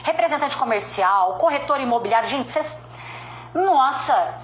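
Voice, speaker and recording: A woman's voice: high-pitched, lively intonation, unhurried, slight background noise. Emphatic Brazilian woman giving a sales talk. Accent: strong regional Brazilian accent. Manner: emphatic, direct, repeats key points. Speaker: sales speaker. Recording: echoey room with faint ambience.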